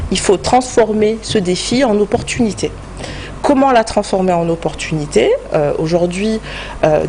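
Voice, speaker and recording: A woman with a French accent and a medium-pitched voice speaks as an interview guest. She explains points step by step like a professional expert. Faint noise sits behind her in the studio. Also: darkish tone. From France. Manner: structured, explanatory, step-by-step answers. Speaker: guest expert, human resources director.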